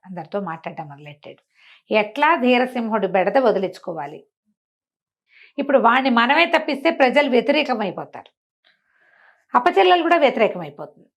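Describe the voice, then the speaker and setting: Speaking briskly in a mid-range voice with lively intonation, a woman storyteller relates a folk tale conversationally to a listener. She performs the characters' lines, explains along the way, and drops in colloquial asides.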